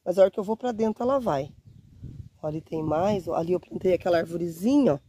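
A woman in her forties, slightly hoarse from a cold, chatting warmly to her phone camera outdoors in a windy garden. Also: lowish voice, fast. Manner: warm, chatty, often says "gente" and diminutives. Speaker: gardening vlogger. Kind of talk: casual chat to camera. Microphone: phone camera held at arm's length. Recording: faint wind noise outdoors.

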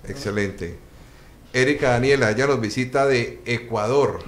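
A man's voice: mid-range voice, moderate pace, slight background noise. A man hosting a live interview program. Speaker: program host.

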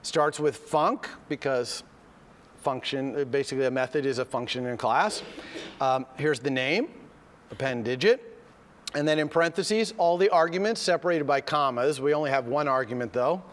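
Guy teaching a coding class, bit hoarse from a cold, keeps asking okay?, big echoey lecture hall. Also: medium pitch, normal speed, slight background noise. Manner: explains step by step, keeps checking with "okay?". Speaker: university lecturer. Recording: lecture hall with long reverb.

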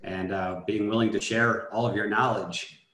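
A man hosting a video interview, welcoming the guest and handing over in a relaxed manner, with some hesitant fillers. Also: fairly low pitch, normal speed. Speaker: host. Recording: echoey room with faint noise.

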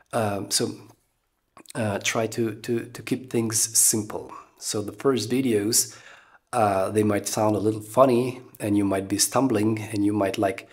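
A man with an Albanian accent and a low voice teaches English in a talking-head video, recorded close up in a small room. He speaks very slowly and haltingly, filling pauses with ums and uhs and tagging "okay?" onto his points. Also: fairly even intonation, a little mellow. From Eastern Balkans. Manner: slow, halting, many ums and uhs, keeps asking "okay?". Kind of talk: talking-head lesson to camera. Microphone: camera close up at face level.

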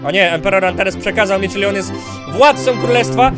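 Excitable young man commenting a game. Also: high voice, a little fast, music in the background. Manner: excitable, yelling at the game in bursts. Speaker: gaming YouTuber. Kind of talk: let's play commentary.

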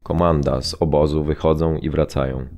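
An actor reading as a Polish camp prisoner recounting camp life in an audio drama, sombre, measured and restrained. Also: male voice, extremely low pitch, flat delivery, a little mellow. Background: music.

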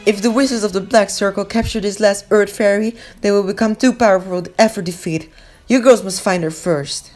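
A woman voicing a stern, authoritative older teacher in a cartoon fan dub, explaining things gravely. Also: mid-range voice, fairly quick, a little mellow, soft background music, close to an everyday voice. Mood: urgent.

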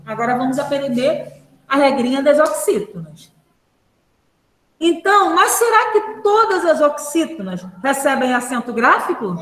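A woman's voice: high voice, echoey room, rough recording. A woman teaching a primary school grammar class, patiently repeating rules and asking the class questions, with a Brazilian Portuguese accent. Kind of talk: online class lesson.

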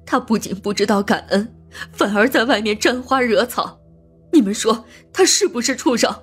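A woman playing a bitter, domineering older mother in an audiobook drama, scornful and ranting in a husky voice. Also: fairly high pitch, normal speed, faint music behind. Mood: furious, scornful. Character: bitter, domineering, sharp-tongued older mother of a murdered daughter.

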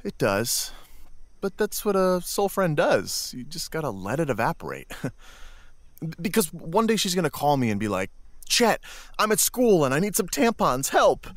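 Goofy earnest man, casual, boyish, sincere, animated, dry sound. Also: fairly high pitch, normal speed, no echo. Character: earnest, goofy, sweet-natured man, a doting uncle. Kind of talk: comedic audio drama acting.

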